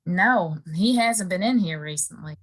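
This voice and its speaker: A woman's voice: lowish voice, animated, unhurried. A woman playing a sweet, earnest, modest young woman of the frontier in a western audio play. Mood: gentle, concerned.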